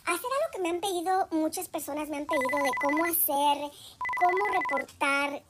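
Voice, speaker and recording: A woman's voice: high voice, moderate pace, very noisy. A woman vlogger greeting her viewers, cheerful, then scornful.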